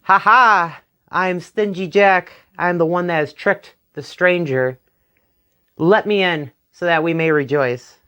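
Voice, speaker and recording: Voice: medium pitch, measured pace, sharp tone, smooth. A storyteller voicing Stingy Jack, a crafty, stingy trickster man who talks in a sly, wheedling way, in a told folktale. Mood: pleading. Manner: wheedling, sly, feigning innocence. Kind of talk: oral folktale telling.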